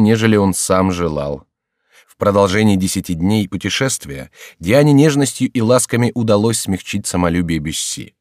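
Male audiobook narrator, deep and dry, measured dramatic delivery. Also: darkish tone, no room sound. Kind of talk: scripted literary narration.

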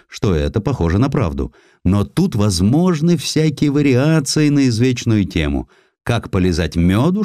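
A man's voice: on the low side, mellow, no echo, clean studio sound. A man voicing a confident, scornful German admiral in a dramatized historical audiobook, declaiming with assurance.

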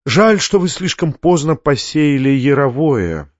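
A man's voice: a little high, very animated, unhurried, no room sound, muffled recording. A man voicing a pompous, sanctimonious older male tyrant who preaches and shrieks. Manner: preachy, shrieking when enraged.

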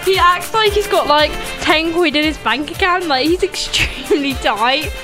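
A high-voiced British teenage girl chats cheekily and pesters for money, often breaking into giggles. Music plays clearly behind her. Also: normal speed. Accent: British English. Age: teens. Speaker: host's sister, guest on the show. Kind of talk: casual cheeky banter. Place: home conservatory.

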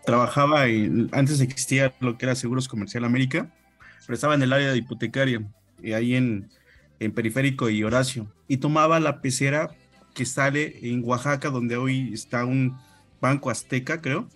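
A man's voice: mid-range voice, fairly even intonation, moderate pace, fairly bright tone, faint music behind. A man with a Mexico City accent telling a rambling story in casual chat, full of hesitations. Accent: Mexico City Spanish. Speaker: radio show co-host. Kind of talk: casual storytelling among friends.

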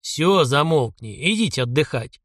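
Gruff, commanding old count in his seventies, read by a man, blunt and teasing, with a lively rise and fall in his voice. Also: on the high side, normal speed, no echo, studio quality. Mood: gruff bossy. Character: gruff 75-year-old count, domineering bossy grandfather.

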